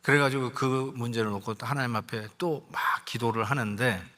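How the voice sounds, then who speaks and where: An older male pastor delivers a sermon built on a personal story, speaking in a conversational, emotional way. His voice sits at a middle pitch for a man, and he slips into quoted lines as he tells the story, sometimes using English words. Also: brisk, sharp tone.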